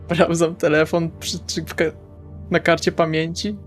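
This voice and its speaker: A man's voice: on the high side, flat delivery, a little slow. A man playing in a tabletop role-play session, improvising casually in and out of character, informal and sweary. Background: faint music.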